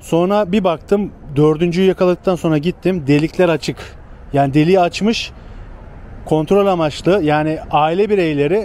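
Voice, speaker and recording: A high-pitched man at a moderate pace, with fairly even intonation, very even loudness and a dry sound with no echo. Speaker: home vlogger. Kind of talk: casual vlog chat. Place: garden. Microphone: phone near.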